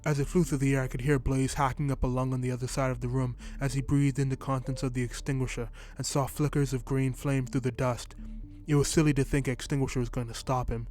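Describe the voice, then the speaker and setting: A man reading a short story in scripted first-person narration, telling it at a steady, even pace. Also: mid-range voice, fast talker, soft background music.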